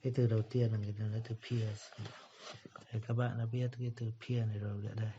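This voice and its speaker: A man teaching English pronunciation, repeating each word slowly before explaining it. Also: lowish voice, little pitch movement, noisy background. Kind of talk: pronunciation lesson. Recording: dull lo-fi recording.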